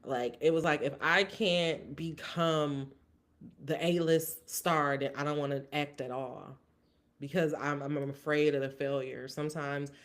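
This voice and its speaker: A woman's voice: low voice, steady tone, measured pace. A woman hosting a casual solo podcast recap, earnest and motivational, thinking aloud with many restarts. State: briefly emotional. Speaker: podcast host.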